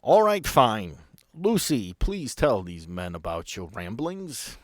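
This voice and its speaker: Man playing a gruff, folksy sanatorium guard. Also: fairly low pitch, sing-song, slow pace, no echo, clean studio sound. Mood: irritated. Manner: folksy, colloquial, grumbling.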